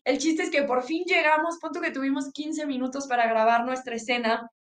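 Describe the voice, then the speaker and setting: A woman's voice: high-pitched, brisk. A woman with a Mexican Spanish accent, an athlete and sports commentator, telling stories in a casual interview. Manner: animated storytelling.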